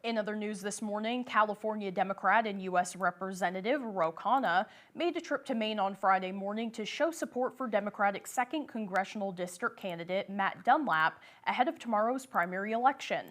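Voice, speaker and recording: A woman anchors a morning newscast, reading scripted stories in a measured, even delivery at a middle pitch. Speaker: news anchor.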